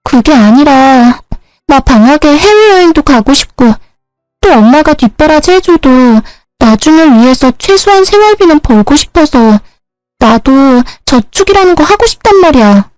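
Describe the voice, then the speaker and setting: A woman's voice: high-pitched, expressive, normal speed, a little mellow, dry recording, soft background music, pitched above the performer's own voice, rough recording. A woman doing a whiny younger sister. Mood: pleading.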